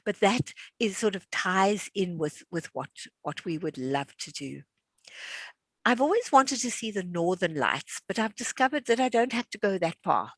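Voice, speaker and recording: This online class host, a woman in her sixties, chats casually and laughs easily, her medium-pitched voice swinging widely in pitch. The tone is fairly bright, the pace moderate, and the recording dry.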